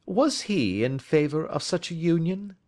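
Dry, composed gentleman detective for a storybook reading, with a male narrator doing him, voice lifted a little. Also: fairly high pitch, big pitch swings, moderate pace, pitched above the performer's own voice. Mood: reassuring. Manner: dry, offhand. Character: calm, wry gentleman detective.

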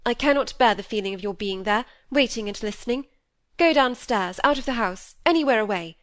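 A woman's voice: a little high, animated, moderate pace, a bit bright, voice pushed up. A woman voicing a proud, wounded young woman who speaks in a cold, clipped, resolute way.

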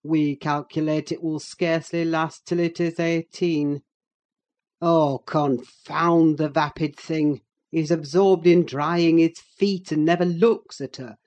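A woman reads as a bitter, scornful middle-aged man in a storybook recording, his voice gruff, dark and mellow, with a rougher timbre than the narration. He speaks with open contempt, and the pitch sits lower than the reader's own voice. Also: steady tone, slow pace. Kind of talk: audiobook character voice.

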